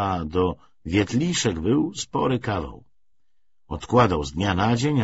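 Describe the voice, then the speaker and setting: A man reading a literary audiobook in an expressive, measured way with deliberate phrasing. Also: lowish voice, muffled recording, slight background noise. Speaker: audiobook narrator.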